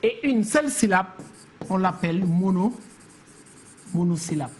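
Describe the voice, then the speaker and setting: A woman teacher giving a televised literature lesson, counting syllables slowly and deliberately. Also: lowish voice, expressive, a little mellow, a little hiss or hum.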